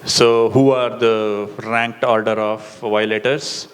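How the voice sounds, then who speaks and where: A man's voice: fairly low pitch, level tone, slow pace. A man from Karnataka with a South Indian accent, answering interview questions on stage in a hesitant, thinking-aloud way. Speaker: symposium panelist. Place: large indoor hall with audience. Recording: echoey hall, noisy room sound.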